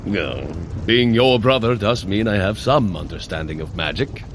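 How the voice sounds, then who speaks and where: An actor playing a hearty, dutiful elder-brother thunder god in an audio drama, with a grand, earnest delivery. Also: male voice, fairly low pitch, expressive, normal speed, a little hiss or hum. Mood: encouraging, puzzled. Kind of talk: scripted audio drama acting for a fitness app.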